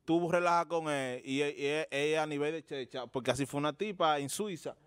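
Smooth-voiced man in dry studio. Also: fairly high pitch, brisk, no room sound. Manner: chatty, jokey, trails off mid-sentence. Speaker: TV talk show co-host. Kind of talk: casual panel chat.

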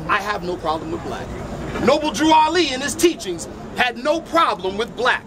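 A middle-aged man debating outdoors on a city sidewalk, speaking into a handheld mic in a measured, lecturing way that repeats its phrases. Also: extremely high pitch, sing-song. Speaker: street debater. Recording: noisy outdoor street recording. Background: crowd and traffic noise.

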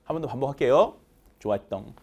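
A man teaching English vocabulary in an online lecture, animated and leading chanted word drills. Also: medium pitch, fast, slight background noise.

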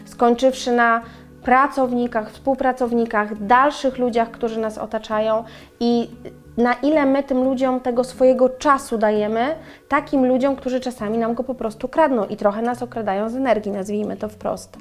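Middle-aged woman chatting to the camera, animated, a bit high voice, lapel mic in a bright room. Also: normal speed, faint music behind. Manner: animated, gesturing, addresses viewers directly. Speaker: co-host. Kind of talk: casual chat. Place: bright room with flowers and windows.

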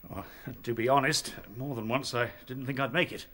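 A man playing a battle-worn rabbit captain in a radio drama, halting as he recounts horrors. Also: medium pitch, steady tone, fairly bright tone, lightly acted. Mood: grave. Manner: halting, searching for words.

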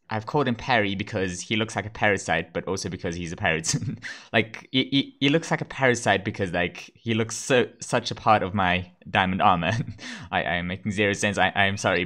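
Give me a man with a lowish voice who giggles and stumbles through casual gameplay commentary. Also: a bit bright. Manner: giggly, stumbling, self-deprecating. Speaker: gaming channel host.

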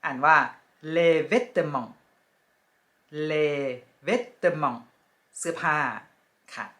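A woman teaching French vocabulary from picture cards, speaking slowly and politely and repeating each word with care. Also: deep voice, sing-song. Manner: polite, ending phrases with soft particles. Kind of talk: casual lesson with picture cards.

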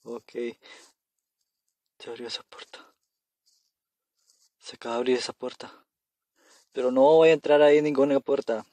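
A man playing a horror game on his phone comments casually and nervously, talking to himself and repeating phrases when he gets scared. His voice is mid-range and mellow, with no echo.

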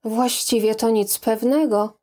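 A woman's voice: fairly high pitch, fairly even intonation, a little slow, mellow, close to an everyday voice. A woman reading the part of a hesitant, evasive young man who speaks in a soothing, careful way.

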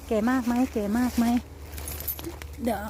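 A woman's voice: fairly high pitch, little pitch movement, moderate pace, mellow. A middle-aged woman, chatting casually to her vlog viewers outdoors in the countryside. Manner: chatty, addresses viewers often. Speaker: vlog host. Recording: noisy outdoor ambience with water.

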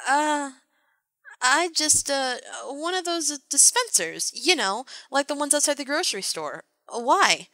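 A woman performs a judgmental, earnest teenage girl in an audio drama. Her voice is bright and slightly high, recorded very dry. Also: expressive, unhurried, dry recording, exaggerated voice. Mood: doubtful. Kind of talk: fan audio drama acting.

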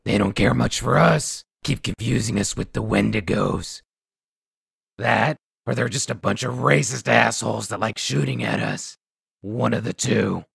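A man voicing a weary, bitter, self-deprecating ghoul scavenger in a video game, raspy and gravelly, with grudging, halting delivery. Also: fairly low pitch, a bit bright, no echo, clean studio sound, exaggerated voice. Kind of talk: video game dialogue acting.

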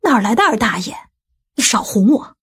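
A woman's voice: on the high side, sing-song, brisk, fairly bright tone, breathy edge, exaggerated voice. A woman playing an older, fretful mother in an audiobook drama, nagging and questioning. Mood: surprised, doubting.

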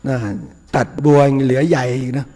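A man's voice: mid-range voice, steady tone, moderate pace, dark tone, long reverb tail. A man, a Buddhist monk, giving a casual, folksy sermon with rhetorical questions and chuckles. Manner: folksy, chatty, with frequent laughs and rhetorical questions. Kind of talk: casual sermon before a meal. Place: temple hall.

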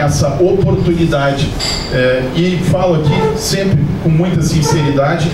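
A middle-aged man, from Rio Grande do Sul, giving an effusive formal speech to a meeting with a handheld mic. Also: fairly high pitch. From Rio Grande do Sul, Brazil. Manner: effusive, ceremonious thanks. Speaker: council member addressing a meeting. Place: conference room, indoors. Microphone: handheld mic, far camera. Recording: echoey room from far off, with room noise.

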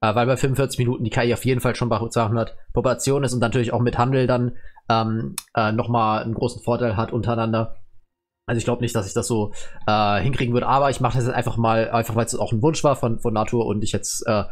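A man's voice: mid-range voice, little pitch movement, fast. A man hosting his own gaming channel, chatting casually and rambling with many fillers and restarts while he plays a strategy game. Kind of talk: casual gameplay commentary.

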